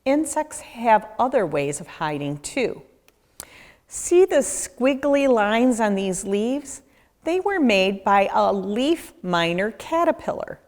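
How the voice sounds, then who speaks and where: Slow, lilting woman reading in an echoey room. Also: a little high. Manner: expressive, deliberate storytelling with pauses and questions for young listeners. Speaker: nature educator reading a children's book aloud. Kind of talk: children's read-aloud narration.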